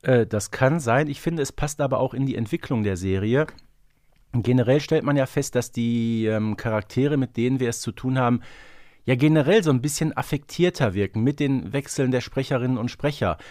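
A man's voice: medium pitch, fairly quick, a little mellow, no echo, studio quality. A man speaking conversationally as a podcast host in a fan discussion.

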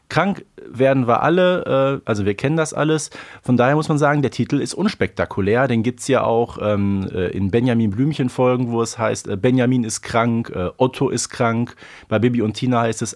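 Jokey man podcast co-host. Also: mid-range voice. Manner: jokey, hesitant with many ähms. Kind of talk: casual podcast chat.

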